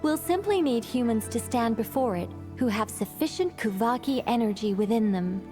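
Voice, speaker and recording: An actress playing a self-assured, verbose woman scholar in an anime game, speaking in a formal, measured and articulate way. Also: on the high side, lively intonation, close to an everyday voice. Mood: explaining. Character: poised, self-assured female scholar, verbose and dryly polite. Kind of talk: anime game voice acting, expository. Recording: game music playing behind.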